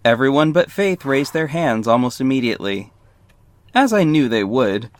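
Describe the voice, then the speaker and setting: A man's voice: mid-range voice, big pitch swings, normal speed, lightly acted. A man acting as a wry gay narrator who tells his own story in an audio drama, with snarky, confiding asides. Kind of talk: first-person scripted narration in audio drama.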